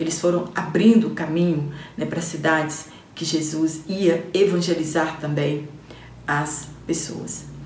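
With noticeable background noise and audible room echo, a woman speaks very slowly in a very deep, low voice. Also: fairly even intonation. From Minas Gerais, Brazil (Curvelo). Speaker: Bible school teacher. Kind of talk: Bible lesson lecture.

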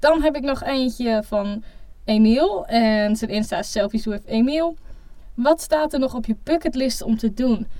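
Moving at a fairly slow pace, a woman with a dark, mellow tone and a high pitch shows ordinary pitch variation. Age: 20s. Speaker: podcast host. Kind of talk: solo Q&A podcast. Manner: casual.

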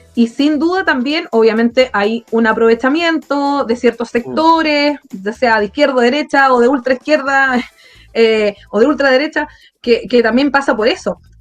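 Music plays in the background as the speaker goes at a moderate pace with very even loudness and ordinary pitch variation. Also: woman, high pitch for a woman. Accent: Chilean. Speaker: radio host. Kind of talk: casual chat.

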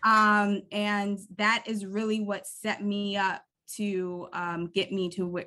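A woman with an American accent, medium-pitched, bright and sharp in tone, with fairly even intonation, against a quiet background. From Buffalo, New York (born Toronto). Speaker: communications professional. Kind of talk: casual interview.

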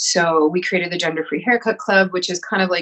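With a Canadian accent and fairly even intonation, a woman speaks in an ordinary speaking voice. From Canada. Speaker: hairstylist and advocacy group founder. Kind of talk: interview.

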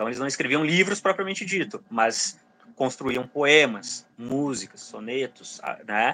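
This man's voice sits at medium pitch with lively intonation. He talks at a fairly slow pace. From Rio Grande do Sul, Brazil (Passo Fundo). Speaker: fantasy author and schoolteacher. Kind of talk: interview. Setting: video call. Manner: halting, many repetitions and fillers.

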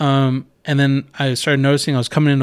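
The recording is very clean, with a silent background. A man with an American accent talks at a moderate pace and a medium pitch. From Northern California. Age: 30s. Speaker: podcast host. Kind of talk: casual monologue, Q&A.

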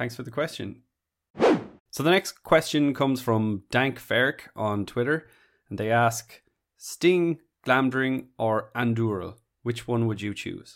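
A fairly slow delivery in a normal speaking voice, on a very clean recording with a silent background. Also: man, medium pitch for a man, ordinary pitch variation. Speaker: podcast host. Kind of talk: casual chat.

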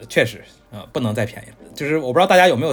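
A man with a northeastern Chinese accent and lively intonation, over noticeable background noise. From northeastern China, Harbin. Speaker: film and TV worker, outdoor gear enthusiast. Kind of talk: casual chat.

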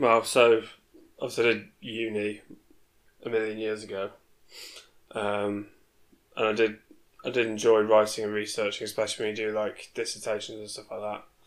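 The voice moves at a moderate pace with monotone, flat intonation and big swings in loudness. Long pauses come often. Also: man, fairly low pitch for a man. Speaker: blogger interviewer. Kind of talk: casual chat. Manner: halting, hesitant.

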